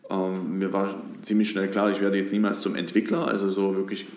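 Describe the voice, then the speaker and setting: A man's voice: deep voice, brisk, roomy sound. A man in his thirties from Dresden, a company director answering interview questions thoughtfully with frequent fillers. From Dresden, Germany. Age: 30s. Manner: thoughtful, many fillers and restarts, lively when animated. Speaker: guest, company managing director.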